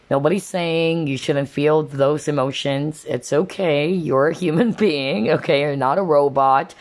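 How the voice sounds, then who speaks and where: A tarot card reader talking casually to viewers in a conversational way, often checking in with a short questioning tag. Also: mid-range voice. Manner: conversational, frequently checks in with "okay?".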